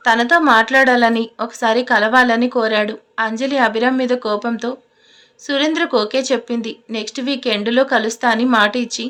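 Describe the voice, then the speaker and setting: Higher-voiced woman reading a story. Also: a bit bright. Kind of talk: scripted audio story narration.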